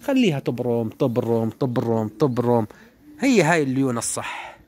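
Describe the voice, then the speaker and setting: A man, giving a casual, animated running commentary while flying his pigeons outdoors. He repeats words and calls out to the birds. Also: mid-range voice, moderate pace. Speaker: pigeon keeper vlogger.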